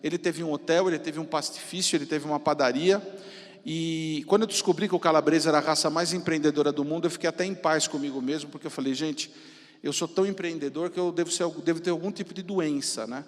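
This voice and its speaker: High-voiced São Paulo man in a reverberant hall. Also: fairly even intonation, fast. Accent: São Paulo Brazilian. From Brazil. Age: 50s. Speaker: entrepreneur speaking at a festival. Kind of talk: motivational personal-story stage talk. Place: stage of a large event hall. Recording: reverberant hall with long echo.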